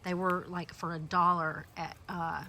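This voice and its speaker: A Southern woman with a slightly low voice and a congested, stuffy head cold talks through a casual garden tour. She rambles warmly with lots of ums and uhs, filming by hand as she walks outdoors among her plants. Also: flat delivery, measured pace, slight background noise. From Alabama Gulf Coast, US. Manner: chatty and rambling, many fillers. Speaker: gardening vlogger.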